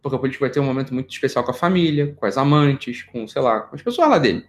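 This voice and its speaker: A middle-aged Brazilian man with a mid-range voice talks very fast, giving an informal psychology lecture in a Brazilian Portuguese accent. He's animated and jokey, firing off rhetorical questions.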